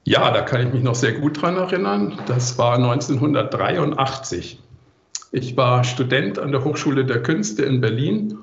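A man in his sixties giving measured, articulate, reflective answers as an interview guest. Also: medium pitch, vocal fry, reverberant, muffled recording. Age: 60s.

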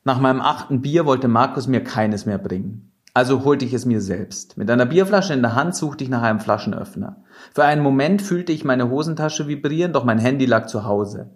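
A man narrating a novel in the first person, in a measured and expressive reading. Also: mid-range voice. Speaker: audiobook narrator.

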